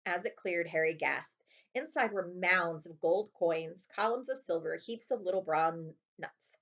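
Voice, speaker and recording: A woman's voice: fairly low pitch, a little slow, a bit bright, dull audio. A woman librarian narrating a children's chapter book as a read-aloud.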